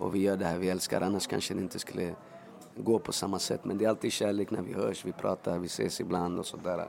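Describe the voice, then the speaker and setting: Speaking at a fairly quick pace, a man with a fairly low pitch and fairly even intonation has an unremarkable speaking voice. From Sweden, Vårberg in southern Stockholm; born in Chile. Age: 30s. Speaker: rapper and musician. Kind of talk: casual interview chat.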